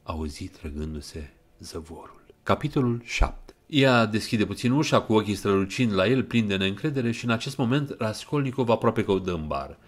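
Man, audiobook narrator, low voice, measured, even pacing. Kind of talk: retelling a novel with quotes.

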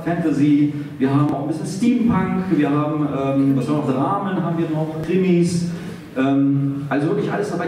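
A man makes an informal stage announcement in a rambling, self-deprecating way. His voice is somewhat high for a man. The sound is distant and heavily echoed. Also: warm tone. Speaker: radio play group member addressing audience. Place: live on a theatre stage. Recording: echoey stage, distant microphone, faint noise.

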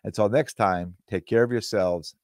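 A middle-aged man with a slightly low, somewhat hoarse voice rambles through his own podcast, circling back and restarting words as he goes. He sits close to a studio mic, and the sound is dry with no room echo. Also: normal speed, darkish tone. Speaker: podcast host. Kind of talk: solo podcast monologue. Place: small room with green-screen backdrop. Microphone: studio mic on boom arm.

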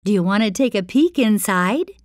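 Animated woman telling a children's story. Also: mid-range voice, normal speed, no room sound, studio quality. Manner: animated and playful.

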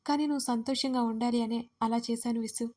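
A woman voicing an emotional young woman in an audio story, speaking softly and with heartfelt feeling. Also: fairly high pitch, steady tone, a little fast, natural voice. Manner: soft, tearful, heartfelt.

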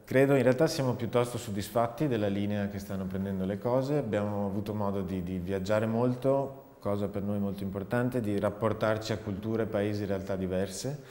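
Low-voiced man in a reverberant room. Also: moderate pace, few pauses, dark tone, soft background music. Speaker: multimedia theater artist. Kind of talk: reflective interview monologue. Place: large dark indoor studio, seated. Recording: echoey, reverberant empty studio.

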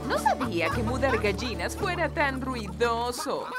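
A woman's voice: a little high, big pitch swings, unhurried. A woman with a Latin American Spanish accent voicing a sardonic, self-assured fairy nanny in a cartoon. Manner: dry, sarcastic, self-assured. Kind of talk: animated cartoon dub. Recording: loud cartoon music behind.

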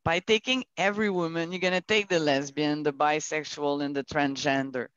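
A woman speaks as a panelist on a video call, earnest and searching for words, often restarting her sentences. Her voice is smooth and clear, and the sound is dry, close and a little muffled. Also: sits low, steady tone, moderate pace, no echo. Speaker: business panelist from a bank.

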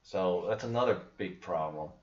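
A man's voice: deep voice, normal speed. A young man hosting a crypto channel, talking casually over a screen share in a blunt, skeptical, rambling way with restarts. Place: small room indoors. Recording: echoey room, dull lo-fi sound.

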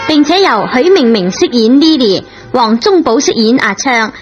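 A woman's voice: on the high side, sing-song, moderate pace. A woman giving a scripted announcement as a radio drama announcer. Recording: dull lo-fi radio recording. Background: clear music.

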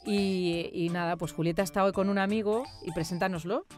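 A woman hosting her own podcast, presenting sections in a calm, friendly way and talking gently with children. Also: lowish voice, a little fast, faint music behind. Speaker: podcast host.

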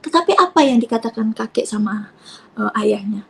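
Woman, emotional testimony, husky breathy voice, somewhat high, soft whispers to raised outbursts. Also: expressive, moderate pace. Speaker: convert giving testimony.

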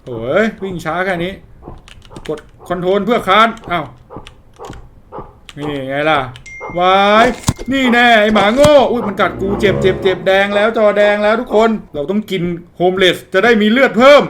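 A man commentating a horror game, swearing freely and reacting loudly. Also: high voice, normal speed, slight background noise. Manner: crude, swearing, excitable reactions.

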